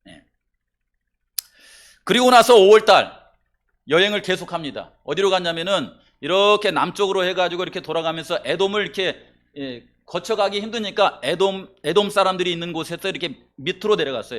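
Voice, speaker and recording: A male pastor preaching a sermon in a church, conversational, often asking the congregation questions, swinging between loud emphasis and quiet asides. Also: sits high.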